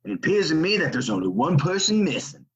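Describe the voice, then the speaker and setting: A man's voice: fairly high pitch, very animated, fairly quick, lo-fi sound. A man playing a menacing, vengeful outlaw colonel in a Western audio play, with folksy threatening frontier talk. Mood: cold menace. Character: ruthless, menacing Old West outlaw colonel, commanding and vengeful. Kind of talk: Western audio drama acting.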